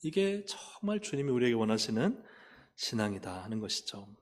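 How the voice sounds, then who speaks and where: A male pastor preaching a sermon, telling a personal story, asking rhetorical questions and getting loud and animated as he retells it. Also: mid-range voice, a little fast. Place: church sanctuary. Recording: long church hall reverb.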